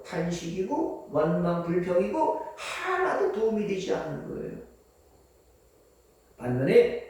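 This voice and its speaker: A man in the pulpit delivers a Sunday sermon in a high register, driving his points home with emphatic rhetorical questions. His voice is caught from a distance and rings through a heavily reverberant church hall. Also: dark tone. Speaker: pastor. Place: church sanctuary. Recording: very echoey church hall, from far off.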